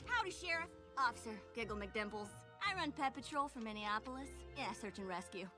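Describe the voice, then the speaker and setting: A woman playing a tiny, brash, excitable toy police officer in an animated film, peppy, cheeky and blunt. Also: on the high side, fairly quick, over music, lightly acted. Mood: cheeky, excited.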